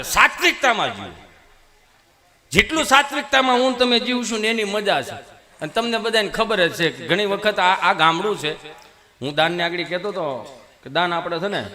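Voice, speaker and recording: A man's voice: high-pitched, big-room sound. A man telling folk comedy stories to a live audience on a stage microphone. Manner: lively, conversational, addresses the audience. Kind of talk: stand-up folk comedy storytelling.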